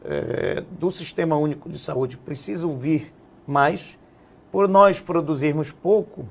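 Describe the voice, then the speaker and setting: A man, a businessman and former politician, explaining policy in a measured political interview, often adding "né?". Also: a little high, expressive, vocal fry, a little hiss or hum. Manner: measured, explanatory, frequent "né?" tags. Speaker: guest, health businessman and former legislative assembly president.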